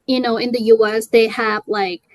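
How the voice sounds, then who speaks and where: Thai woman, native thai, chatting kinda hesitant with lots of ums, higher voice. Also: fairly even intonation, normal speed, dry recording, clean studio sound. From Thailand. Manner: hesitant, many fillers and restarts. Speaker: guest. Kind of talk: casual interview chat.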